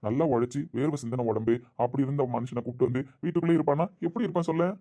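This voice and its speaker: A man delivering earnest, tender dramatic dialogue. His voice is mellow and dark in tone, and he talks quickly. He sits at a middle pitch for a man. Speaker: actor in a family drama.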